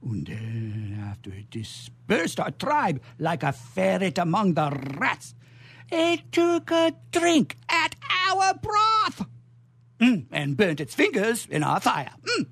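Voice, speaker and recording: A tipsy, boastful gypsy man rambles through a radio play. The voice is gravelly and leaps wildly up and down, slow and comically theatrical. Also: medium pitch, wildly swooping pitch, a bit bright, full character voice. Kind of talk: radio theatre acting of an old melodrama.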